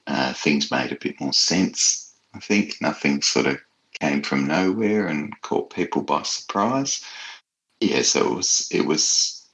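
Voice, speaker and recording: Very deep, creaky-voiced man. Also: fairly bright tone, poor audio. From Australia. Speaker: guest author. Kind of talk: casual interview answers. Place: child's bedroom at home.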